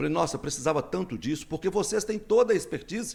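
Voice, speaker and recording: A man speaks very fast in an animated tone with vocal fry. The recording is very clean with a silent background. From Brazil, Belo Horizonte (Minas Gerais). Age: 50s. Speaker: mayor. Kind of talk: radio interview. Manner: animated, emphatic.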